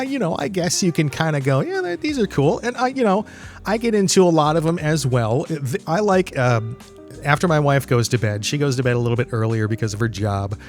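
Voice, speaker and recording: A man hosting a solo podcast in a casual, rambling, conversational way. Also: on the high side. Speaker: podcast host.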